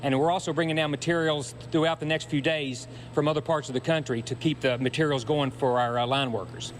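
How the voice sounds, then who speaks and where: Male utility spokesman, somewhat high voice, plain explanatory interview answers, faint hum. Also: fairly even intonation, a little fast. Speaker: power company spokesman being interviewed. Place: warehouse.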